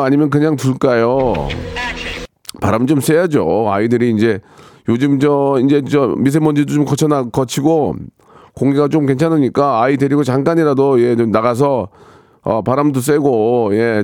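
A man's voice: mid-range voice, a little mellow, dry recording, clean studio sound. A man hosting a radio show, reading listener questions and giving blunt, joking advice with many fillers. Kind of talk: casual advice chat.

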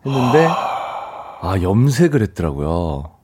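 A man's voice: fairly low pitch, slow pace, background noise. A man co-hosting a radio show, chatting casually, reading listener messages and laughing often. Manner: playful, laughs often, animated. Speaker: radio co-host.

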